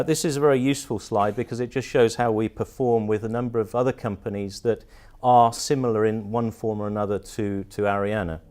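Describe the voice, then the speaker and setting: A British man speaks in a fairly low voice as he presents his company to investors. He talks like a managing director working through a presentation, with halting phrasing and frequent filler pauses. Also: darkish tone. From partly Turkey, mostly the UK.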